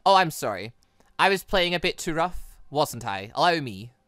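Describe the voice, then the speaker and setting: A man voicing a menacing, manipulative young woman villain in a visual novel, deliberate and coolly playful. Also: on the high side, very animated, a bit bright, dry recording, clean studio sound. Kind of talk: visual novel character read-aloud.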